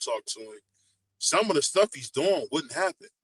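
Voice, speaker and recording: The sound is close and dry, without any echo. A man speaks fairly quickly. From New York City, Brooklyn. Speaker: boxing commentator. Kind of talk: casual chat.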